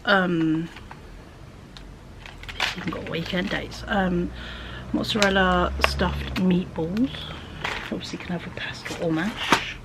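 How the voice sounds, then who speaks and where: A woman's voice: fairly low pitch, fairly even intonation, slow, long pauses. A woman, chatting casually through a grocery haul at home, with plenty of ums and a slight hay fever wheeze. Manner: chatty, many ums, drifts into soft half-whispers. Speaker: vlogger. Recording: background noise.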